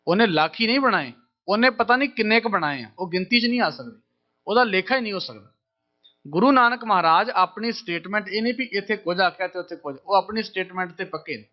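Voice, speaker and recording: Man, sermon, chants verses slowly, slightly high voice, dull lo-fi sound. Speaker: Sikh preacher. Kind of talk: religious discourse explaining scripture.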